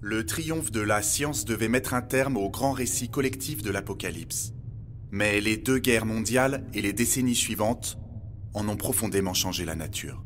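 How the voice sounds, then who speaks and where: A man playing an electronic encyclopedia with an empathy module, a measured, learned guide in a scripted audio drama. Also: lowish voice, a bit bright. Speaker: narrator and guide. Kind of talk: scripted audio fiction, documentary narration. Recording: music under the voice. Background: music.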